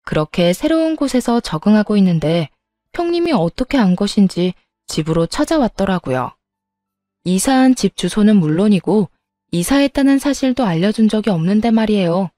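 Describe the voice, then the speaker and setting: A woman narrates a family story in a calm, even way. Her voice is mellow and soft-edged. The recording is dry and close. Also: medium pitch, moderate pace, dry recording, soft background music. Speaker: narrator, younger daughter-in-law.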